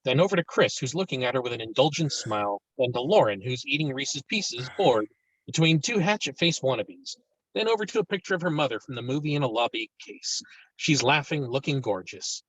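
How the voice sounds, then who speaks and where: A man with a mid-pitched, slightly husky voice narrates a screenplay's action and scene headings. The recording is dry and close. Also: lively intonation, brisk, no echo, low-quality recording. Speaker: stage directions reader.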